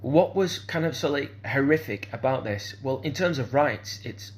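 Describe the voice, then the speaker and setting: A man's voice: medium pitch, lively intonation, moderate pace. A man, speaking in a rambling, hesitant monologue full of fillers and restarts. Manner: hesitant, repeats "kind of sort of", restarts often.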